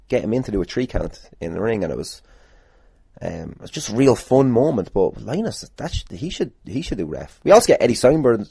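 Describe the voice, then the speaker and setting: A man's voice: low voice, creaky, warm tone, slightly rough, dry recording, clean studio sound. An Irish man hosting a casual solo podcast, answering listener questions in a rambling, jokey way with plenty of swearing. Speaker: podcast host, pro wrestler.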